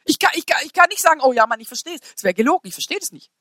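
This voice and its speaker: A woman. She speaks casually and with humor, moving from soft asides to shouted declarations. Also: sits high, big pitch swings, very fast, no room sound. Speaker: preacher. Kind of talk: lively sermon to a congregation.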